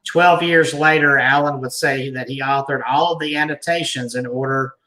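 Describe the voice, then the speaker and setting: A man hosting a talk, reading an article aloud deliberately, with emphatic pauses and asides like a storyteller. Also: mid-range voice, steady tone, bright, forceful tone, rough recording.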